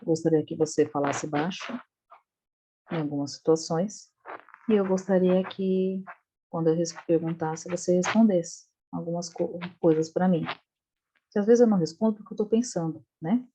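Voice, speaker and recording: Calm, reasonable young girl, low and mellow, voiced by a woman quoting her daughter. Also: moderate pace, slight background noise, natural voice, low-quality recording. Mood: calm, earnest. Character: eleven-year-old girl, calm and reasonable.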